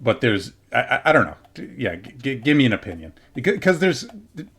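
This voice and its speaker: A man's voice: mid-range voice, sing-song, fairly quick, a bit bright, breathy edge. A man hosting a casual gaming livestream interview, playful and scattered, with stop-start questions. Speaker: livestream host.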